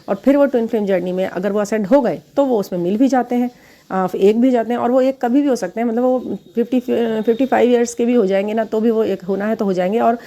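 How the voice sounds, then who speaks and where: A woman who gives spiritual readings talks straight to her viewers in a loose, chatty way. Her voice sits a little high and sounds soft and mellow. She breaks into laughter at her own examples. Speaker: spiritual relationship reader. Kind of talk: casual advice talk to viewers.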